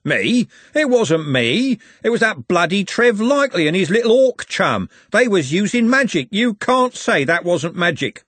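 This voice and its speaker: A man voicing a brutish, angry male football thug who shouts coarsely in an audiobook. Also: a little high, lively intonation, takes it slowly, few pauses, husky, no echo, voice pushed up, full character voice. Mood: furious.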